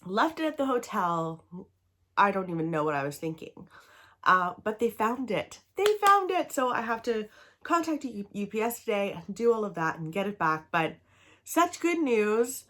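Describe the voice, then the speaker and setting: A woman's voice: medium pitch, big pitch swings, normal speed, a bit bright. Chatty, rambling woman with a stuffy nose. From Canada. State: a little snuffly from a cold; a little tired. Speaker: book vlogger. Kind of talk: casual chat to camera.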